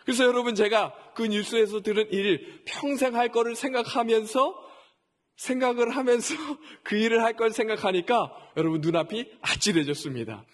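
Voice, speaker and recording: A man's voice: very high-pitched, normal speed. A middle-aged male pastor preaching a sermon, telling a personal story and often addressing the congregation directly.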